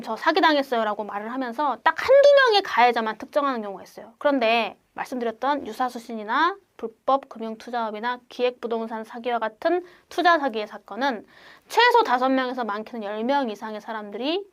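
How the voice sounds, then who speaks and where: A woman lawyer hosting a channel, explaining legal steps to viewers in a direct, emphatic way and slowing down to stress key points. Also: high voice. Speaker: lawyer host.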